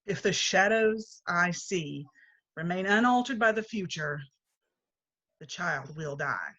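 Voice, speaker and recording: A woman's voice: on the low side, animated, takes it slowly, bright, forceful tone, lo-fi sound, exaggerated voice. A woman playing a stern, solemn Christmas spirit who rebukes a miser in archaic language, in an amateur dramatic reading. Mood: grave. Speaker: amateur reader, library staff. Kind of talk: dramatic reading of a classic story.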